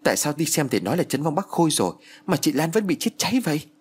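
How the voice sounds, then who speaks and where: A man's voice: on the high side, very animated, quick pace, slightly rough, pitched above the performer's own voice. A man voicing an anxious younger brother. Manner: anxious, pleading questions.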